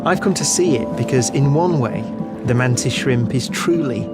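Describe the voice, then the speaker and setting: A man's voice: medium pitch, expressive. Man presenting a nature documentary over music. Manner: measured, marvelling. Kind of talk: nature documentary narration, wonder-filled and explanatory. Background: prominent background music.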